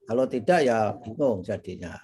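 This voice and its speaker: A middle-aged man hosting an academic conversation, speaking haltingly with frequent short affirmations. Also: lowish voice, expressive, dark tone, slightly rough. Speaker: interview host.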